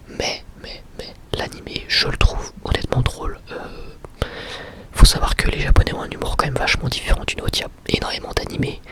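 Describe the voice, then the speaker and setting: A man whispering a casual ASMR review in a breathy, unvoiced voice, chatting informally and often rephrasing himself as he goes. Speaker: ASMR video creator and anime reviewer.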